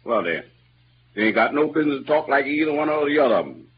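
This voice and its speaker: A man's voice: fast, noisy background, lightly acted. An actor playing Jim, a simple-hearted kindly man who speaks in a rural Southern dialect, in an old-time radio drama. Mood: puzzled, earnest. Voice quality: lively, swooping between low mutters and high exclamations. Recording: dull lo-fi old radio recording with music.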